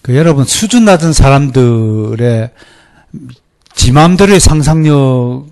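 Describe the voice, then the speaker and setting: A middle-aged male pastor with a Gyeongsang accent, preaching a sermon lecture in a lively, animated way, often mimicking others. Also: medium pitch, unhurried. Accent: Gyeongsang Korean. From Gyeongsang region, Korea. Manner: lively, animated, mimics people in quoted voices.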